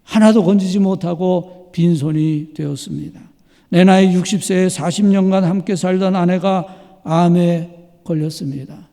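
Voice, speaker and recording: A middle-aged man preaching a sermon as pastor, earnest and measured, with dramatic pauses. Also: high-pitched, dark tone. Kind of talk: sermon with illustrations. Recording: long hall reverb.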